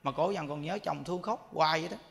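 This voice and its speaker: A man's voice: a little high, quick pace, vocal fry, a bit bright, big-room sound. A Buddhist monk with a Southern Vietnamese accent giving a sermon full of stories, speaking colloquially and addressing his listeners directly. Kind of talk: sermon with storytelling. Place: temple hall.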